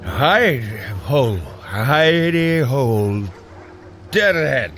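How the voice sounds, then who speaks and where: An actor playing a brave, hearty thunder god in an audio drama, drugged and drowsy, speaking haltingly with slurred words. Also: male voice, mid-range voice, very animated, faint music behind, heavily acted. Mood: woozy, contented. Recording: noisy sound effects behind. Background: loud ambient sound effects.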